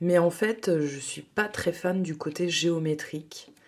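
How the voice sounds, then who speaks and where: A woman talks in a relaxed tone. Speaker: vlogger and craft maker. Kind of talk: casual vlog talk. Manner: relaxed with many hesitations.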